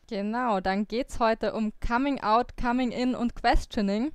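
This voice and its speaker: A woman of twenty-seven from Austria, co-hosting a casual podcast and explaining terms calmly. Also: on the high side, unhurried. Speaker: podcast co-host.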